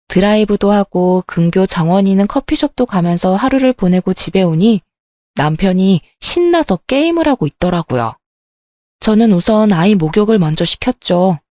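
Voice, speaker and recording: A woman's voice: medium pitch, warm tone, no room sound, studio quality. A woman reading a first-person family story in a confiding, emotional way.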